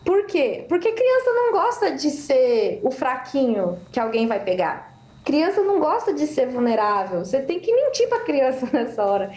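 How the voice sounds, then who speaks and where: A high-pitched woman chats as a guest author, animated and full of stories. Her voice reaches the call from an echoey room and carries the hollow ring of its walls. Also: normal speed. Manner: animated storytelling. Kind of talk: casual chat. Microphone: video call.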